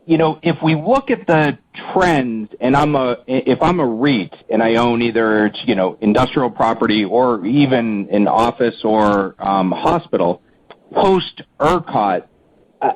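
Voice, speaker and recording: A man's voice: mid-range voice, slight background noise, poor audio. A man asking a question as a financial analyst on an earnings call, in winding, hesitant, broken phrases.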